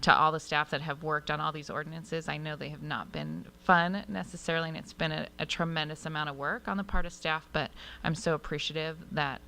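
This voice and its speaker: A woman council member giving measured, appreciative remarks at a council meeting, speaking into a desk microphone in a council chamber. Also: low voice, sharp tone, a little hiss or hum.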